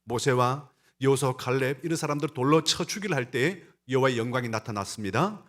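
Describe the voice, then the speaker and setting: A man's voice: mid-range voice, brisk. A male pastor preaching a sermon and speaking straight to his congregation, with an emphatic delivery that rises and falls. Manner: emphatic, rising and falling delivery; talks to the congregation directly.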